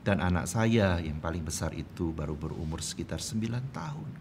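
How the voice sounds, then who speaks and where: A man's voice: sits low, sing-song, brisk, darkish tone, slight background noise. A middle-aged man preaching a sermon as pastor, telling personal stories and building to fervent emphasis. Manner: storytelling, swelling to fervent emphasis.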